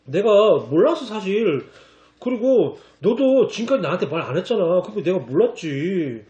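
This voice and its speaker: A man's voice: sits high, animated, moderate pace, warm tone, roomy sound, lo-fi sound. A man voicing a sly king who coaxes and makes casual excuses. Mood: flustered. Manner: coaxing, casual, making excuses. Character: sly foreign king, wheedling then flustered.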